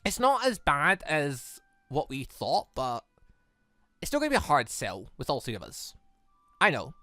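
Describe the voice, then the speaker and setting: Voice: medium pitch, unhurried, dry recording. A gaming channel host giving casual, rambling playthrough commentary on a visual novel, exclaiming and reading bits of dialogue aloud. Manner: animated, exclaiming, rambling asides.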